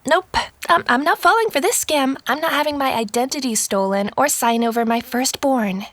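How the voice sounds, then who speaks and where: High-voiced, skeptical teenage girl. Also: normal speed, fairly bright tone, dry recording. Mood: suspicious, sarcastic. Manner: wry, incredulous, hesitant stammers. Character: skeptical, sarcastic sixteen-year-old girl stuck at home. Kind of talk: audio drama acting.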